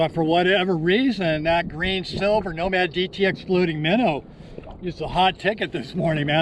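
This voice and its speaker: Noticeable background noise sits behind a man with a high pitch. He talks at a moderate pace with fairly even intonation. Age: 60s. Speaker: fishing vlogger. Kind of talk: casual vlog narration. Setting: outdoors on a kayak at sea.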